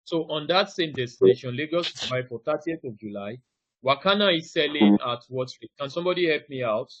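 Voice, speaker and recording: A man's voice: on the high side, expressive, brisk, a bit bright, no room sound. A man running a live online ticketing class over a video call. He walks through each step, keeps saying "now", and quizzes the listeners. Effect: heard over a video call. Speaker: ticketing trainer. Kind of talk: live online training presentation. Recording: dull, dry video-call audio.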